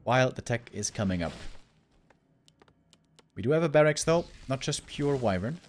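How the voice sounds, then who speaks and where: A man giving live esports commentary on a strategy game match, casual and conversational, swinging between musing and excited exclamations. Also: medium pitch, moderate pace. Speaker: esports caster.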